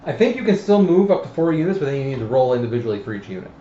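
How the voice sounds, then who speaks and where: A man chats his way through the rules of a tabletop game, hesitating as he works things out. His voice is of middle pitch, caught in a muffled recording of an echoey, noisy room. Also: very animated, racing, dark tone. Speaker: player explaining board game rules on a live stream. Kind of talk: casual chat over a tabletop game. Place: room around a game table, live stream.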